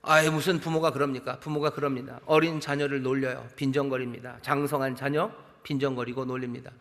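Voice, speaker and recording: A man's voice: mid-range voice, little pitch movement, fairly quick, a bit bright. A middle-aged male pastor preaching a sermon, emphatic and repetitive, putting questions to his congregation. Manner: emphatic, repeats key phrases, asks the congregation questions. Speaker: senior pastor. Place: large church sanctuary. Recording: long reverb of a large church sanctuary.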